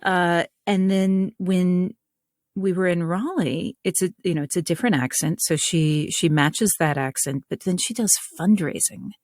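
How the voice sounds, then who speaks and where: A woman's voice: on the low side, measured pace, a little mellow, no room sound, clean studio sound. A woman from North Carolina with a Southern US accent, a guest author in a casual interview, talking reflectively in long winding sentences.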